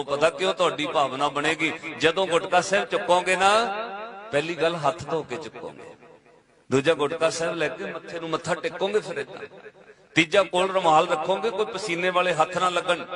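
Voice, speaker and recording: A man preaching to a live congregation in a Punjabi accent, exhorting his listeners with direct questions and playful asides. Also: on the high side. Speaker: Sikh preacher. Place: gathering with a crowd. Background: crowd responding.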